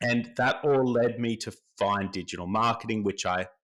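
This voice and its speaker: An Australian accent from a man at a moderate pace, with fairly even intonation, in a very clean recording with a silent background. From Australia (outback). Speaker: entrepreneur and investor. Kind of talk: podcast interview.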